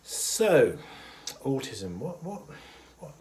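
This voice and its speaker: A man with a cold and a husky voice, talking casually and thoughtfully to camera about a mental health topic, pausing often with fillers. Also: mid-range voice, very animated, a little hiss or hum. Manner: thoughtful, hesitant with many fillers, chuckles softly. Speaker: therapist. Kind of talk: casual educational talk to camera.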